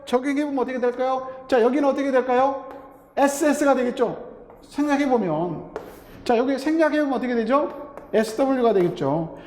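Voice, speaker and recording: His voice is extremely high-pitched and a little mellow, and his delivery is brisk. The man, an English linguistics instructor, gives an exam-prep lecture for a teaching exam, explaining step by step with terminology and rhetorical questions, all heard through a long hall reverb.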